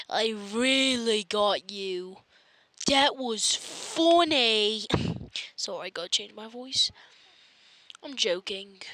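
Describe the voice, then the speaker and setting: A woman's voice: a little high, sharp tone, no echo. A woman casually reacting to short videos, muttering short asides.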